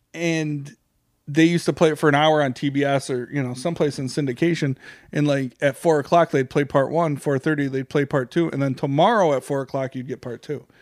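A man with a plain, everyday voice speaks at a fairly quick pace and fairly high pitch with fairly even intonation, on a very clean, dry, close recording with a silent background and no echo. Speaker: co-host. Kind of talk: casual chat.

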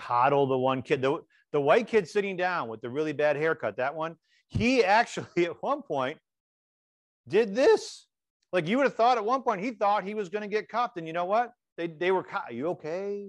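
Against a quiet background, a man with a high pitch speaks in very wide pitch swings. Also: moderate pace. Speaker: podcast host, lawyer. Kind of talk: casual interview.

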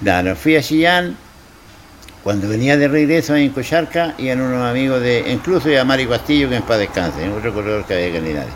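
A man at medium pitch, fairly quick in pace, with very wide pitch swings and noticeable background noise. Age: 70s. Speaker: retired cyclist. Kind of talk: interview.

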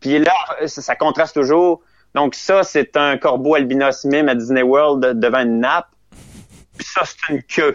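In a Quebec accent, a man talks at a fairly slow pace with fairly even intonation and long, frequent pauses. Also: fairly high pitch for a man. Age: young. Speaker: comedian. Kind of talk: casual chat.

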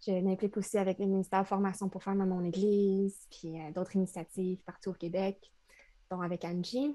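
Delivered fairly quickly, this dark, mellow voice keeps a fairly even intonation. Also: woman, medium pitch for a woman. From Quebec, Trois-Rivières. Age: 20s. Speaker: biblical counseling student. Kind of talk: testimony; casual chat.

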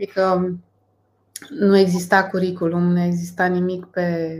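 Very slow speech comes out in a monotone, flat intonation. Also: woman. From Romania, Brașov county. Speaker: educator and teacher trainer. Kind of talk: casual interview chat.

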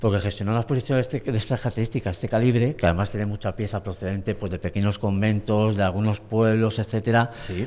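Fairly quick and fairly even in intonation, a man talks at a fairly low pitch. He has a plain, everyday voice. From Mallorca, Spain. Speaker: museum director. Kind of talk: live podcast interview. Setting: museum hall with live audience.

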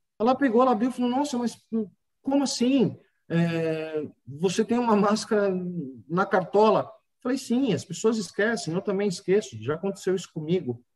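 Lively intonation and a high pitch from a man at a moderate pace. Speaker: shopping center security manager. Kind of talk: live video panel discussion. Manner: halting, frequent repetitions.

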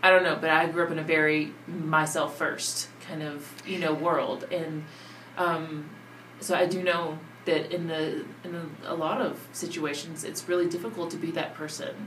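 Against noticeable background noise, a woman speaks with a fairly low pitch and monotone, flat intonation. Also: moderate pace. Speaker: podcast host. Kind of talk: interview, casual conversational.

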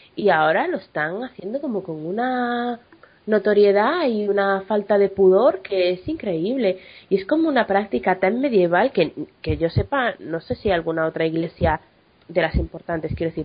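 Lively intonation from a woman at a medium pitch and a moderate pace. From Ferrol, Galicia, Spain. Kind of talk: casual chat. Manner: animated.

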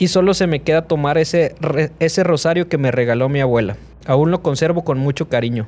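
At a fairly quick pace and very even loudness, a man with a fairly high voice speaks with ordinary pitch variation. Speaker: podcast co-host. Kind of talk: reading aloud. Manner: halting, stumbles while reading.

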